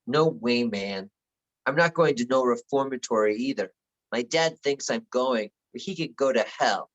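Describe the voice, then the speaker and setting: A man acts out a sullen teenage boy in a script read. The voice sits at a middle pitch. He is dismissive and curt, with a dry sardonic edge. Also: lively intonation, moderate pace, a bit bright, highs cut off, natural voice. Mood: sullen, defiant. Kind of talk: virtual table read of a film script.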